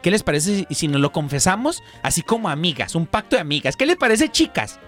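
A man voicing chatty, gossiping churchwomen with a Paisa Colombian accent, high and gushing in a sing-song way. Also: sing-song, fairly quick, a bit bright, faint music behind.

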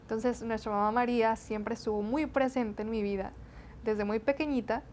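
A young woman in her twenties from the Texas–Mexico border answers an interviewer in a chatty, easygoing way. She fills her answers with eh and repeated "sí, sí, sí". Her voice sits a little high, with a faint hiss behind it. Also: steady tone, normal speed, darkish tone. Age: 20s. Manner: chatty, many fillers and repeated "sí, sí, sí". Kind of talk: interview conversation.

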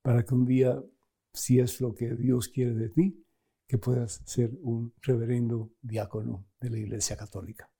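A middle-aged priest preaches in a deep, mellow voice with a gravelly edge. He answers viewers' questions animatedly, leaping up in pitch when he acts out scripture. He chuckles now and then between his points. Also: level tone, normal speed. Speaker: priest and program host.

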